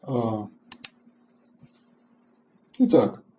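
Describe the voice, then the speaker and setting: A man hosting an online webinar lecture, halting with filler sounds and restarts, and answering chat questions between points. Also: medium pitch, big pitch swings, lo-fi sound. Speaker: webinar host.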